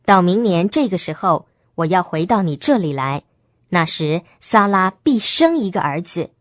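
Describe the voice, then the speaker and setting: God speaks in a solemn, measured way as an almighty male deity , voiced by a woman reading scripture. The delivery is steady and even, in a dry, close recording. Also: lowish voice, no echo.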